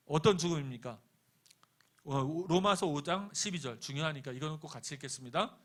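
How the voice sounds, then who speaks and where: A man's voice: a little high, a bit bright. A middle-aged man preaching a sermon as pastor. He keeps asking the congregation questions and answering them himself, and tells a personal story with quoted lines. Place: church sanctuary.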